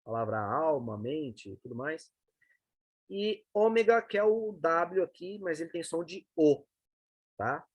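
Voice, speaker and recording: A man's voice: on the high side, lively intonation, measured pace, breathy edge, no echo. A man giving a lesson, walking through letters and checking in with the listener often. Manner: explanatory, frequent checking tags like "né" and "tá". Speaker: teacher. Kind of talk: lesson on reading the Greek alphabet.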